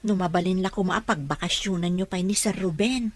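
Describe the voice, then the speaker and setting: A woman's voice: fairly low pitch, fairly quick, natural voice. A woman with an Ilocano accent playing a dutiful, concerned household aide in an audio drama. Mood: respectful concern.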